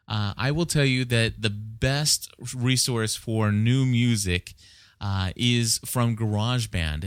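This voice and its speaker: A man's voice: mid-range voice, fairly bright tone, no echo. Dry-sounding man hosting a podcast. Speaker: podcast host. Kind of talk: casual explanatory podcast talk.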